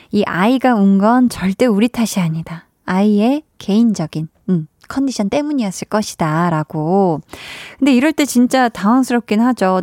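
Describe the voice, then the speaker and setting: A woman's voice: on the high side, a little mellow, no room sound. Chatty woman radio host, dry studio sound. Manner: chatty, laughs often. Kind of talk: radio show chat reading listener messages.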